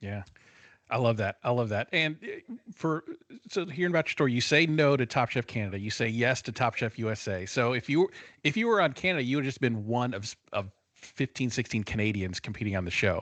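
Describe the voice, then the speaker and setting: A man with an American accent and a normal speaking voice, medium in pitch, lively in intonation, at a fairly quick pace. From United States. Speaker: podcast host. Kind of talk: interview.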